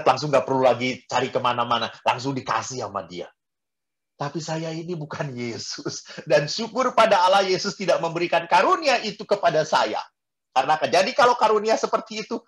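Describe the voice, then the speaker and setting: A man, a Catholic priest, giving a sermon in an animated way, repeating words for emphasis and swinging from loud to soft. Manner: animated, with sharp swings in pitch and loudness.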